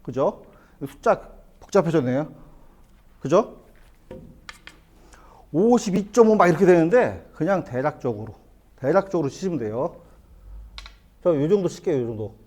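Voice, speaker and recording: A middle-aged man giving a hands-on billiards lesson in a billiard hall, explaining step by step and asking the viewer quick questions as he plays. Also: fairly high pitch, expressive, darkish tone. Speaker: billiards instructor. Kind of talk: hands-on lesson, talking while playing.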